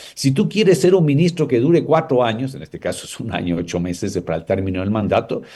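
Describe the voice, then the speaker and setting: A man speaks very fast at a medium pitch, with hardly any pauses and very wide pitch swings. His loudness swings a lot over noticeable background noise. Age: 60s. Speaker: government communications secretary. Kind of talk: radio interview.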